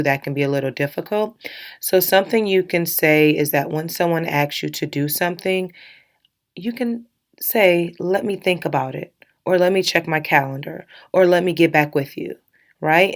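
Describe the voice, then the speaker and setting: A low-pitched woman in her thirties talks straight to her listeners on a self-help podcast. Her voice carries a slight morning rasp, and she speaks with candid, encouraging warmth, breaking into light laughs. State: slightly raspy from early morning. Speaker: podcast host.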